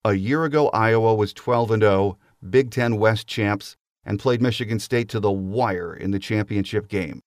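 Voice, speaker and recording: A man hosting a podcast, reading a prepared monologue in a steady, scripted delivery. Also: fairly low pitch, normal speed, few pauses, no room sound, studio quality. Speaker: podcast host.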